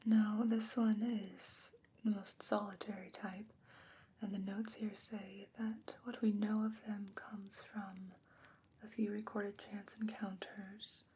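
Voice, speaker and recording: Whispering, learned fantasy sorceress played by a woman. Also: mid-range voice. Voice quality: breathy, unvoiced whisper. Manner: measured, gently explanatory, bookish. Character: patient, learned fantasy sorceress, gently skeptical, advising a friend. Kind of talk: ASMR fantasy roleplay, soft-spoken whispering.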